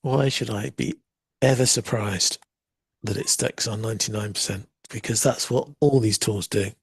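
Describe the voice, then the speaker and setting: A man hosting a live software demo, chatting casually and making wry asides while he waits. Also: on the low side, moderate pace, creaky, slightly rough, no room sound. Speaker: livestream host demoing software.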